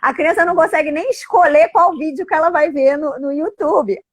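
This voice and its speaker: High-pitched middle-aged woman, teacher and mom, chatty and animated, dry close sound. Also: a little fast, no room sound. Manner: animated, frequent tag questions. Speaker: educator and parent. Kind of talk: casual conversational talk.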